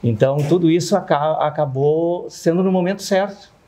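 A man's voice: fairly high pitch, moderate pace, dark tone. A man, sharing personal experience conversationally and often adding tag questions for agreement. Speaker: interview guest.

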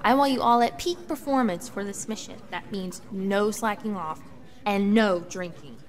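Casting: actress as stern female officer, medium pitch, bossy, audio drama. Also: close to an everyday voice. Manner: brisk orders, stern. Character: strict, bossy female military team leader. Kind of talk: sci-fi audio drama acting.

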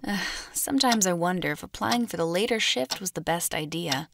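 A woman's voice: fairly low pitch, lively intonation, brisk, vocal fry, background noise. A young woman playing a tired, reserved student who works late, speaking in a subdued, polite, hesitant way in an audio drama. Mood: tired, casual. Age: young adult.

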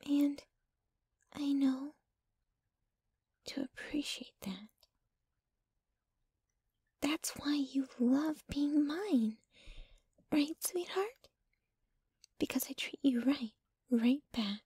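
A woman playing a possessive, jealous young girlfriend in an intimate ASMR roleplay, sweetly menacing, with a breathy voice that often drops to a whisper and a cooing, clinging manner. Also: sits high, darkish tone, dry recording. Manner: slow, cooing, clinging to the listener.

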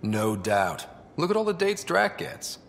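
An actor playing a casual, teasing young human hero in a video game, easygoing and informal. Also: male voice, a little high, very animated, measured pace, creaky, fairly bright tone, a little hiss or hum, full character voice. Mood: friendly, teasing. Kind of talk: conversational video game acting.

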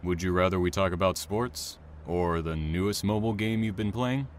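A man playing a reserved, bookish train worker in an audio drama, speaking formally, measured and dry. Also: deep voice, natural voice. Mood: polite, reserved. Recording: clear background ambient noise.

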